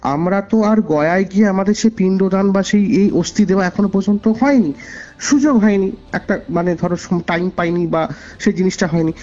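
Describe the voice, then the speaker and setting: Over background music on a dull, lo-fi call, a man from West Bengal, India, speaks in a high, slightly mellow voice, a little fast. With his Bengali accent, he tells a personal story conversationally as a caller and earnestly repeats phrases to stress them.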